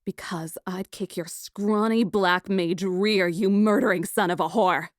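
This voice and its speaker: A woman's voice: medium pitch, fairly even intonation, unhurried, no room sound, lightly acted. A haughty, passionate princess , acted by a woman narrating a story. She is defiant and emotional, with a theatrical edge. The recording is tight and dry. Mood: imperious, defiant. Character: proud, defiant young princess, imperious and hot-tempered. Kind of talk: audiobook character acting.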